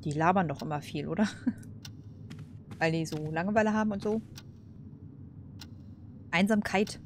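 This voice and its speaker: A woman's voice: on the low side, measured pace, slight background noise. A woman casually commenting over a game, chatty, laughing and cursing at setbacks. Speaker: let's play host.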